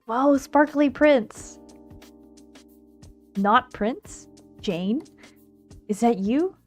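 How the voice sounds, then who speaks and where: A woman's voice: on the high side, very slow. A woman streamer with a playful manner, giving casual commentary and reading game text aloud as she plays. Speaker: streamer playing and reading aloud a visual novel. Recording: music behind the voice. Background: game music.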